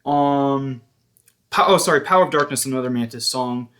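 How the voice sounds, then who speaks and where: Showing off pieces from his music collection, a vlogger speaks in a fairly bright, medium-pitched voice. The delivery is casual yet hesitant, broken up by frequent self-corrections.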